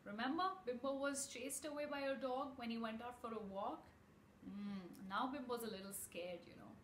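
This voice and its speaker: A woman's voice: fairly high pitch, normal speed, fairly bright tone. A young adult woman reading a children's story aloud expressively, with asides and questions to young listeners. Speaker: children's story reader and host. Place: small home room, indoors. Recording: roomy echo with audible background noise.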